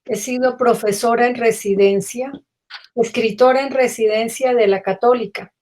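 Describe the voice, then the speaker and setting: A woman's voice: on the high side, steady tone, moderate pace, darkish tone. Chatty woman hosting a video chat. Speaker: host of a literary gathering. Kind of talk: casual video-call chat. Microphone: video call.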